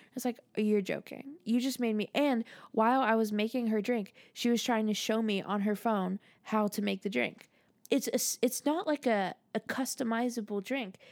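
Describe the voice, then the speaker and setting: A woman uses a normal speaking voice, fairly high in pitch, at a moderate pace with fairly even intonation. The sound is dry and close with no echo, in a very clean recording with a silent background. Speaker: podcast co-host. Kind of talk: casual chat.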